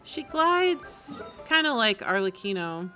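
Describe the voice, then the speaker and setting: A woman's voice: on the high side, big pitch swings, takes it slowly, sharp tone. A woman streamer giving casual commentary as she plays a game. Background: game music.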